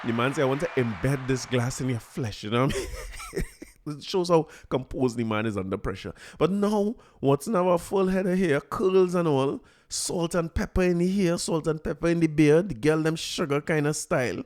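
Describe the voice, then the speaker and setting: A man's voice: fairly high pitch, animated, normal speed, a little mellow. A man with a Trinidadian accent hosting a podcast, talking casually and joking with frequent laughs and repeated words. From Trinidad and Tobago. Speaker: podcast host. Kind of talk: casual solo commentary.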